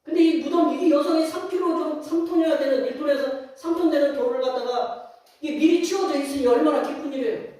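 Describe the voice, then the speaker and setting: A man acting as pastor speaks fairly quickly in a very high voice with a dark tone, telling folksy stories, dramatizing scenes and asking the congregation questions. The recording comes from a distant microphone in a very echoey church sanctuary.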